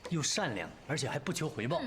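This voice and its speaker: Friendly young male coworker, lively, roomy and noisy set. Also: fairly high pitch, fast. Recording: roomy room with clear background noise.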